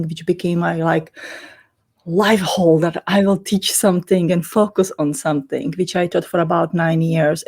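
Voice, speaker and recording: Czech-accented woman, low earnest voice. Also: a little mellow. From Czech Republic. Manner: earnest, flowing, laughs often, non-native grammar. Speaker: spiritual teacher and guest. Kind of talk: casual interview chat.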